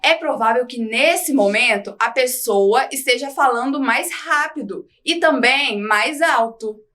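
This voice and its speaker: A woman teacher giving a recorded lesson, explaining slowly and clearly and asking the students questions. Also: sits high, bright, forceful tone. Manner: slow, clear, didactic reading with questions to students.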